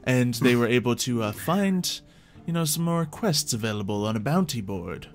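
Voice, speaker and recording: Lively man hosting a tabletop game stream. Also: medium pitch, moderate pace, soft background music. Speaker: game master and stream host. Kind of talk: casual livestream chat and improvised tabletop narration.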